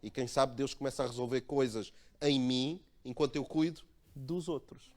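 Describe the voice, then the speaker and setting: A male pastor with a European Portuguese accent preaches in a relaxed, conversational way at a mid-range pitch. He tells stories with animation, chuckling at himself and playing out each exchange. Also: moderate pace. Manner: animated storyteller, laughs at himself, acts out dialogue. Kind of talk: conversational sermon with a personal story. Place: church.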